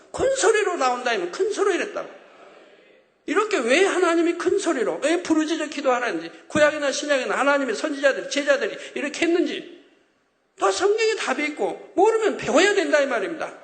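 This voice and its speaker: A male pastor preaching a sermon with emphatic, repeating phrases that rise to loud exclamations. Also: very high-pitched. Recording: echoey hall with long reverb.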